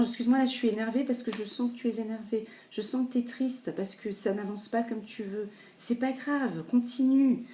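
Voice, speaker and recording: A woman gives a lively tarot reading, talking straight to the listener with frequent restarts and exclamations. Her pitch sits in a middle range for a woman. A faint hiss of noise runs underneath. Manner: animated, talks straight to viewer, many restarts and exclamations. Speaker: tarot reader. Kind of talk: casual tarot reading to camera.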